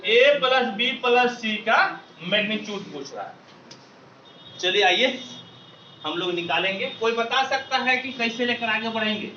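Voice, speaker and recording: A man leads a maths class in a very high, sharp voice, firing questions and asking the students to shout the answers back. He calls them babu and beta as he goes. The sound is dull and distant, with the echo of a roomy classroom around it. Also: measured pace, pauses often, slight background noise. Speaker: maths teacher. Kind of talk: classroom lecture with call-and-response.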